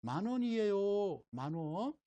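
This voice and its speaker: A man's voice: high voice, sing-song, takes it slowly, dark tone, dull audio. A middle-aged man giving an informal recorded lecture on stocks, explaining with homespun everyday examples and often checking that listeners follow. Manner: folksy, keeps asking "right?" to check the audience follows.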